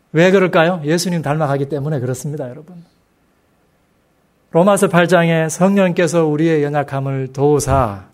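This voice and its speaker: A middle-aged man gives a sermon from the pulpit of a church. His voice sits a little high for a man. He paces his phrases slowly and presses them home with questions to his listeners. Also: darkish tone. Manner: slow, emphatic delivery with rhetorical questions to the congregation. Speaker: preacher. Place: church sanctuary.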